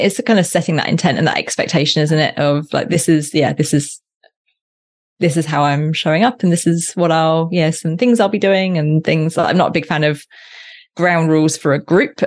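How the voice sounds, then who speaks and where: A woman with a notably low-pitched voice talks as a guest on a workplace learning podcast. She is reflective and thinks aloud, circling back and restarting her sentences in relaxed conversation. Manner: reflective, with frequent restarts and fillers.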